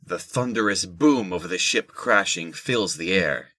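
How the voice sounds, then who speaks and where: A man narrates a scripted audio drama. His voice is low and rough-edged, with a forceful, present tone. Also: expressive, measured pace.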